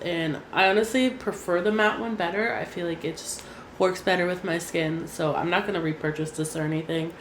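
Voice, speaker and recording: Nasal, low-voiced young woman vlogger. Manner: chatty, frequent "like" fillers. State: nasal from a cold. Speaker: beauty vlogger. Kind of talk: casual chat. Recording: echoey room, faint room hum.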